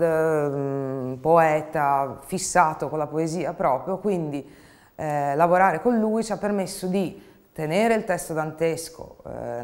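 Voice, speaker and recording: A woman in her thirties, a theatre artist, talking reflectively in an interview about her work. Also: low voice. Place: dark indoor studio.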